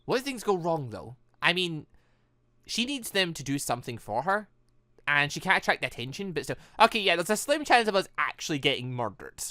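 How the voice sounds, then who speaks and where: A woman hosting a gaming video, giving casual, excitable playthrough commentary with halting exclamations. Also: low voice, no room sound.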